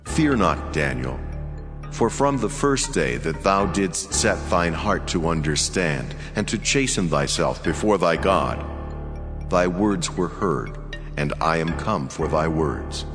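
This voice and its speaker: A man playing a solemn, mighty angelic messenger in a dramatized scripture reading, measured and commanding. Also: low voice, expressive. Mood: solemn, reassuring. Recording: long reverb, music behind. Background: music.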